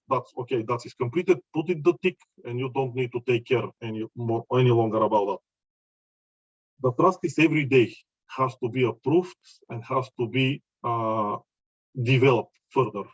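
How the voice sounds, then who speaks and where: A man from Bulgaria with a Bulgarian accent gives a conference presentation in halting non-native English, often searching for words. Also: medium pitch. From Bulgaria, mining region near Chelopech. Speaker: mining company representative giving a presentation. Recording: slightly dull, lo-fi audio.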